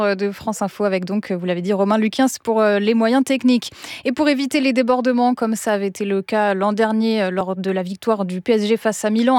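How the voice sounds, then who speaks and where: A woman's voice: mid-range voice, no room sound. Dry-studio woman news anchor. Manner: steady, with frequent hesitations. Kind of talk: news presenting. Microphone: studio mic.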